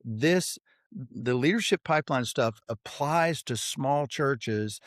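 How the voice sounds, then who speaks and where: A man's voice: mid-range voice, animated, takes it slowly, dry recording, studio quality. A man guest on a podcast interview, telling stories and driving points home with emphatic rhetorical questions. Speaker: podcast guest, author on leadership development. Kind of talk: conversational podcast interview, storytelling.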